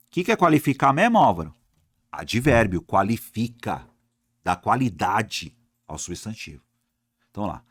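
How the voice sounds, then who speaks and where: Here a medium-pitched male teacher runs a lively grammar session for exam prep, talking right to the class and asking himself questions he then answers. The audio is clean studio sound without any room noise.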